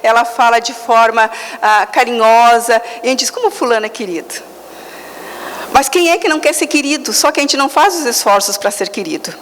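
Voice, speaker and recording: Woman preaching in a big echoey hall, kinda high voice, super lively storytelling. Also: brisk, hardly any pauses. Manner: animated storytelling with lively quoted asides. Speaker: speaker at a Spiritist center. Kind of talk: spiritual talk.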